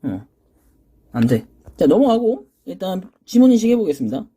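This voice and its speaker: A woman with a hoarse throat hosting her own channel, giving casual spoken commentary as she explains what is on her screen and often starts sentences with a prompting word. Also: medium pitch, big pitch swings, normal speed, mellow. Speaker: crypto channel host.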